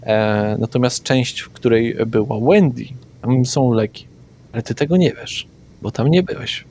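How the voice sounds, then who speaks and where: Man, game master, medium pitch, relaxed narration, hesitant fillers. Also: a little slow. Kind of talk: narrating a tabletop vampire game.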